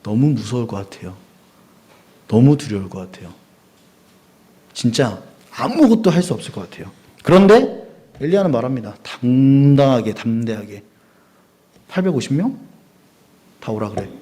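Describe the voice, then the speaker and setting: A man preaching a sermon, telling the story in a lively way, asking the congregation questions and acting out the quotes with sound effects. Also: medium pitch, normal speed, pauses often.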